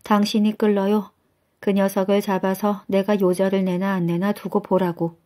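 A woman voicing a sly loafer who imitates a nasal old man, snorting and speaking in hushed, smug tones. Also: mid-range voice, flat delivery, normal speed, close to an everyday voice. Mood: hurried.

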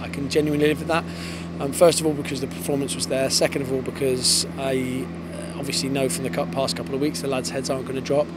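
English man in his thirties, football coach, quick speech, post-match interview, outdoor noise behind. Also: mid-range voice. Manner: fast, thoughtful, with many restarts and fillers. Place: floodlit football pitch outdoors at night. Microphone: handheld interviewer mic. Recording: outdoor with clear background noise.

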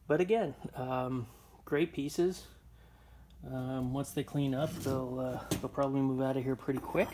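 A man walking through his antique finds on a handheld phone, talking casually with many ums and uhs. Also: mid-range voice. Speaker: antiques dealer showing finds. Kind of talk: casual walkthrough vlog. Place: indoor shop or barn, tiled floor. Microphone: handheld phone camera. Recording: noisy phone recording.

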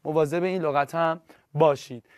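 A man's voice: on the high side, fairly even intonation, dry recording, studio quality. A man teaching literature in an online class, talking straight to his students and repeating key terms.

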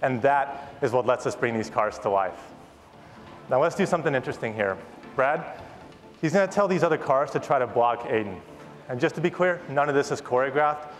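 A man's voice: mid-range voice, lively intonation, fairly quick, soft background music. A man in his thirties, a company founder, giving an enthusiastic, rehearsed keynote product presentation on a large conference stage. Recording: long hall reverb, audience noise.

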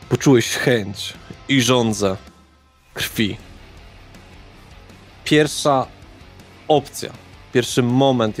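A medium-pitched man acts as game master, narrating a tabletop horror roleplaying game. He speaks deliberately and uses dramatic pauses, with guitar music playing in the background.

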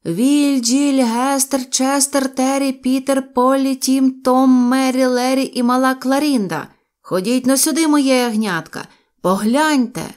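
A woman voicing a cheerful farmer father who loudly calls out to his many children in a storybook reading. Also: sits high, fairly even intonation, measured pace, pitched above the performer's own voice. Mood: joyful. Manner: loud rallying calls. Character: jolly farmer father shouting to kids.

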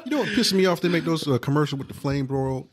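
A man's voice: on the high side, lively intonation, fast, very noisy. A man co-hosting a podcast, dropping dry, wry remarks in casual chat. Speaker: podcast co-host.

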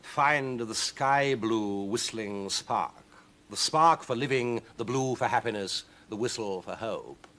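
A man voicing a sly, imperious demon cat in a storybook, with a smug, deliberate drawl. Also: medium pitch, bright, forceful tone.

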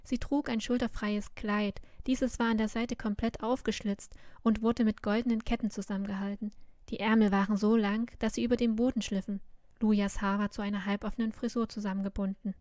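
Woman, fantasy novel reading, measured narration, flat delivery, dry close recording. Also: medium pitch, no room sound. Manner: even, measured storytelling. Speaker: reader of a web novel.

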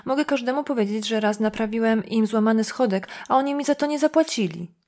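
A sullen male carpenter with a blunt, mocking delivery, voiced by a woman. He speaks loud and high, grumbling over an old grudge. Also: a little fast. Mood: sneering.

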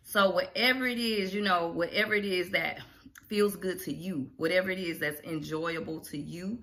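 A woman's voice: lowish voice, normal speed. A middle-aged woman talking casually to camera in her home kitchen, chatty and encouraging. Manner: chatty, encouraging, animated with hands. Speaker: vlogger. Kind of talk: casual vlog talk to camera. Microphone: camera in front at arm's length. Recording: roomy kitchen, faint background noise.

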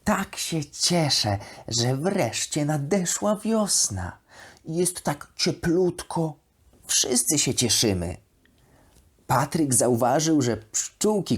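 A woman voicing a sweet, naive plush duck who tells her diary as a children's bedtime audio story, in an expressive, deliberate way. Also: a bass voice, husky, exaggerated voice. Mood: cheerful.

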